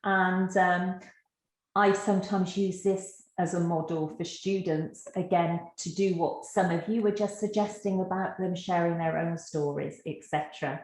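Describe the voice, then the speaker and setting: A woman with a gentle West Country accent leads a teacher-training webinar over a video call. She talks in a chatty, easy way and laughs often. Her voice sounds echoey, as if she is in a bare room. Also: on the low side, fairly even intonation, a little slow. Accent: slight West Country English. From England, Gloucestershire. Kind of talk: online teacher-training talk. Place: online video session.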